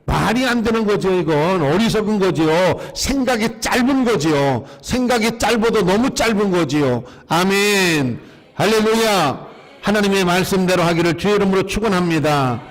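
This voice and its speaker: A man's voice: high-pitched, lively intonation, normal speed, big-room sound. A male pastor preaching a sermon, asking the congregation questions and having them repeat lines after him. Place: church sanctuary.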